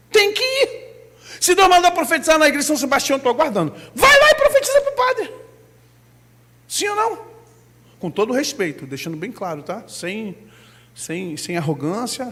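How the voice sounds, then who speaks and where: A man with a Brazilian Portuguese accent preaching a sermon as pastor, breaking into loud shouted bursts. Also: very high-pitched, in a large hall.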